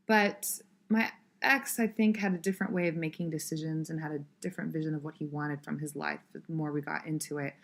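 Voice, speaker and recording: A woman in her thirties, a podcast guest, telling a personal story in an earnest, reflective way. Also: sits low. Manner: earnest, reflective, with many fillers.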